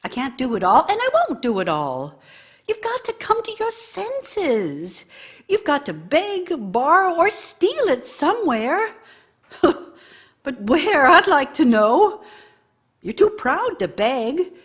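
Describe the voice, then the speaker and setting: Nagging bitter wife for a radio play, high voice that swoops around, sarcastic and scornful. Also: female voice, sing-song, takes it slowly, heavily acted. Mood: scornful, exasperated. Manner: scolding, sarcastic, theatrical. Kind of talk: radio drama monologue.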